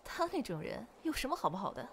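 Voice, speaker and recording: A woman's voice: mid-range voice, sing-song, fast talker, fairly bright tone, a little hiss or hum. A woman playing a sardonic, teasing young woman with a mocking manner in an amateur radio drama. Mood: scornful. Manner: dry, mocking.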